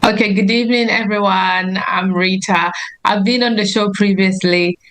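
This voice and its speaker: A woman's voice: medium pitch, steady tone, normal speed, a bit bright, rough recording. Earnest woman explaining a health topic. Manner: earnest, explanatory, self-correcting. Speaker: guest nurse practitioner. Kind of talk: informal health talk with slides.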